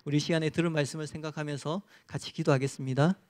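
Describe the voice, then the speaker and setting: A man's voice: fairly high pitch, steady tone, fast. A male pastor preaching a sermon and leading a closing prayer in an earnest, exhorting manner.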